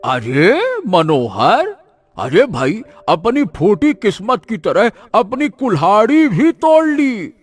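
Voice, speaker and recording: A bossy cartoon village headman taunts in a high voice that swoops up and down, as a man plays him. He drawls slowly over faint music. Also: wildly swooping pitch, full character voice. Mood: mocking. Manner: taunting, threatening. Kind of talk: Hindi cartoon voice acting.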